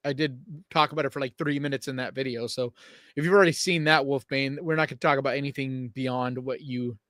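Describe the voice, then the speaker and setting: A man co-hosting a podcast in casual chat, loose and profane, with quick upbeat reactions. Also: mid-range voice, steady tone, a bit bright, dry recording, clean studio sound. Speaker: podcast co-host.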